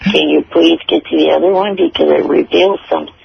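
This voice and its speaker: Irritable male caller: highish, extremely gravelly fry, blunt and sweary, muffled noisy phone connection. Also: fairly even intonation, a little fast. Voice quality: hard to understand. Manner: blunt, irritable, foul-mouthed. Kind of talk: casual argumentative radio call. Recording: muffled, poor telephone connection with noise.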